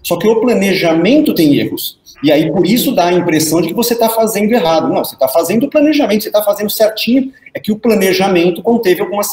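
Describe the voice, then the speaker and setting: A man with a Brazilian Portuguese accent, a panelist giving measured analysis, often ending phrases with tag questions. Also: high voice, lively intonation, a little mellow, echoey room, a little hiss or hum, rough recording. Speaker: consultant panelist. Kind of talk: conversational analysis.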